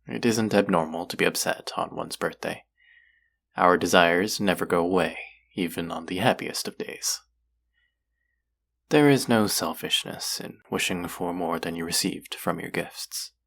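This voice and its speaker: A man playing a courtly, possessive demon in a roleplay audio drama, speaking formally and deliberately in a husky, gravelly voice. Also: low voice, fairly bright tone, exaggerated voice. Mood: gentle, consoling. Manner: formal, slow, deliberate, coaxing. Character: possessive, courtly male demon who hungers for hearts. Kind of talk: scripted roleplay audio drama addressed to the listener.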